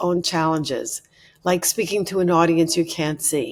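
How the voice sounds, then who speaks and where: A woman speaks in a New York accent at a moderate pace. The recording is very clean, with a silent background. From New York City. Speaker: dietitian and media coach, podcast host. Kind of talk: solo podcast advice talk.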